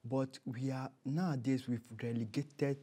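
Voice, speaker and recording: A man's voice: mid-range voice, steady tone, measured pace, warm tone. Emphatic Nigerian man being interviewed. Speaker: interview guest. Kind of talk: conversational interview.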